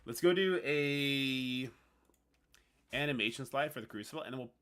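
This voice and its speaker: A man from Newfoundland with a Newfoundland accent, hosting a casual livestream. He reads on-screen text aloud haltingly and chats with his viewers. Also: mid-range voice, fairly bright tone, clear, resonant tone. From Newfoundland, Canada. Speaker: livestream host.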